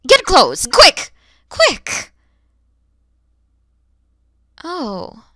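Woman voicing a bright, expressive motherly dragon lady. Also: high-pitched, drawn-out words, no echo, studio quality, exaggerated voice. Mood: flustered, urgent. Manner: expressive, teasing, gentle, addressing the listener directly. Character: kind motherly dragon woman, mature, playful, easily flustered. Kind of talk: ASMR audio roleplay acting.

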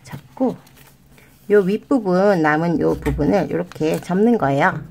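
A woman hosting a children's origami tutorial, explaining each fold step by step in a gentle, sing-song way and addressing the kids as friends. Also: fairly low pitch, a little slow, vocal fry, a little hiss or hum. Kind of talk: step-by-step craft instruction.

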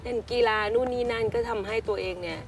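A woman's voice: fairly high pitch, quick pace, gravelly. A middle-aged woman, the mother of a family travel show, chatting casually outdoors at a lakeside. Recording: loud background music.

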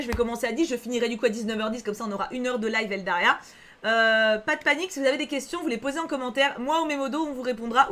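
Her voice is high and a bit bright as she streams live and chats easily with her viewers. She reads chat messages out loud, keeps reassuring people, repeats herself, and leans heavily on filler words.

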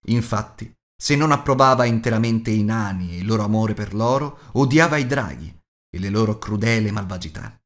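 A man's voice: fairly low pitch, a bit bright. A man reading scripted fantasy narration as an audiobook narrator.

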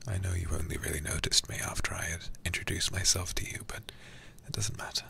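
A man playing a weary, tender knight in a whispered role-play, speaking slowly and haltingly to a lover, close to the microphone. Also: fairly even intonation, pushed and bright, exaggerated voice. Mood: humble, loving. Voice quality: breathy whisper with gravelly low edge. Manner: slow, halting, intimate, tender knightly speech.

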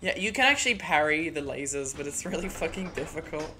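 A man's voice: on the high side, lively intonation, a little fast, bright, forceful tone, slight background noise. Tired, swearing male streamer. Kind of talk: casual chat.

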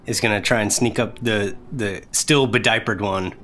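A woman's voice: a bass voice, moderate pace, fairly bright tone, slight background noise. A woman playing a tabletop game, mixing roleplay with casual talk.

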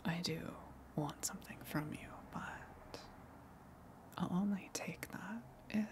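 A woman voicing a gentle, lonely female tentacle monster in a breathy, halting whisper, as an ASMR roleplay. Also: fairly low pitch. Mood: calm, reassuring. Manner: soft, halting, reassuring.

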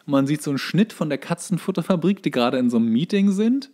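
A man's voice: fairly high pitch, lively intonation, fast, warm tone. A man co-hosting a podcast, chatting casually as he retells cartoon episodes. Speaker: podcast co-host.

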